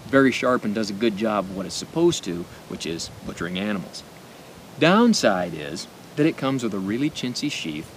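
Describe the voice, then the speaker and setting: A middle-aged American man with a speech impediment, giving an informal gear demonstration with deliberate pauses. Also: sing-song. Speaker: knife and gear reviewer. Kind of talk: informal product demonstration to camera. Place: outdoors at a picnic table in woods. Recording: outdoor noise with low rumble.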